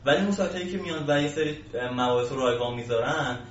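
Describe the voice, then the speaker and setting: A man giving casual, explanatory answers as an interview guest. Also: medium pitch. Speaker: programming instructor, interview guest. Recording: echoey distant mic, muffled, faint hiss.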